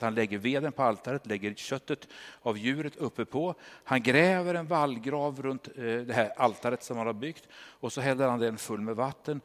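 A man in his fifties, a pastor of over thirty years, preaching a lively sermon and retelling stories with frequent rhetorical tag questions. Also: medium pitch. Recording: long hall reverb.

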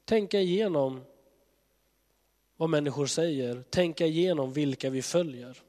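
Earnest preacher with a cold. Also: male voice, a little high, warm tone. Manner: earnest, conversational, searching. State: has a cold. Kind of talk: sermon. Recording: long hall reverb.

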